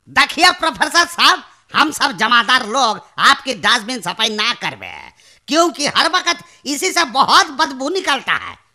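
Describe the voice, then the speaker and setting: In a very clean recording with a silent background, a woman does a high-pitched cartoonish character voice at a moderate pace. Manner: blunt, stubborn.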